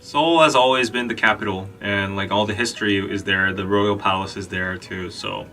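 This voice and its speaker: A man's voice: fairly low pitch, fairly even intonation, normal speed, sharp tone, distant mic, soft background music. A young man from Korea hosting a live podcast stream, chatting casually with lots of fillers and restarts. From South Korea. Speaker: podcast host. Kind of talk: casual live-stream chat and news reading.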